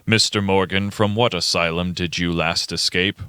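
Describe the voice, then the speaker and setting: Guy reading a radio play coroner, low clear voice, stiff n formal, kinda dismissive. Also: fairly even intonation, moderate pace, pushed and bright, no echo, clean studio sound. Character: solemn male coroner, curt and officious.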